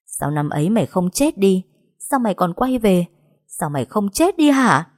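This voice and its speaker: A cruel, scheming woman villain who sneers her threats in a low, cold voice, as a woman reader puts her on. She hisses and scolds with open contempt. It is an audiobook-style story reading. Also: big pitch swings, fairly quick, a little mellow, dry recording, clean studio sound. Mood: raging.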